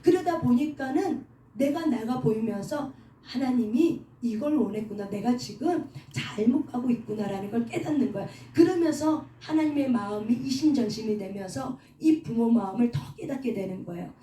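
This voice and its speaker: A woman's voice: a little high, lively intonation, moderate pace, dark tone. A middle-aged woman preaching a sermon at a prayer house. She keeps asking the congregation rhetorical questions and has them repeat lines after her. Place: prayer hall indoors. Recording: echoey hall, voice from far off, faint background noise.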